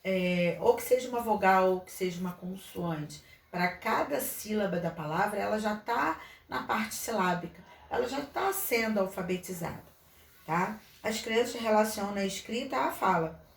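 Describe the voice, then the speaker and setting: A woman's voice: mid-range voice, lively intonation, normal speed, creaky, far from the mic. A woman teaching a literacy lesson from a handout, thinking aloud with many fillers and restarts. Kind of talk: online lesson explaining a handout. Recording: echoey room, voice off-mic, faint noise.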